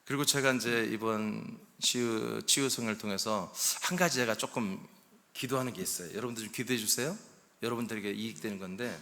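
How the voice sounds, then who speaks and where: A man in his sixties preaching a sermon as pastor. He talks in a conversational, storytelling way and swings between loud emphasis and hushed asides. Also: fairly low pitch, brisk, creaky. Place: church sanctuary. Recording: long church hall reverb.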